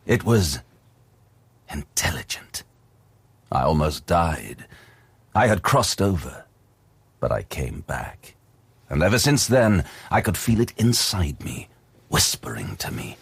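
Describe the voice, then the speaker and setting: A man's voice: sing-song, slow pace, creaky, long pauses, slightly rough, no echo, exaggerated voice. An actor playing a haunted, grim male detective who narrates his story in an audio drama. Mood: brooding. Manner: low, brooding first-person narration. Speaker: narrator and lead.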